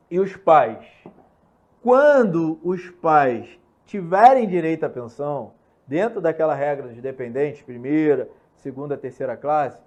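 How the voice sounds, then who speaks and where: A young man with a Brazilian Portuguese accent teaching an online law lesson, repeating key points and checking in with quick questions. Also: a little high, a little mellow. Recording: slightly muffled lo-fi recording.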